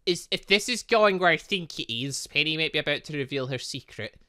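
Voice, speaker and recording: Bright-voiced chatty gaming host, man. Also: on the high side, lively intonation, a little fast, clean tone. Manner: chatty, swears lightly, rambling asides. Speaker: let's play host. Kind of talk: casual gaming commentary and reading aloud.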